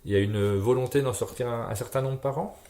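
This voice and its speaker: A man's voice: medium pitch, quick pace, dark tone. A man hosting an interview show, asking questions and giving frequent affirmations. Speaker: podcast host.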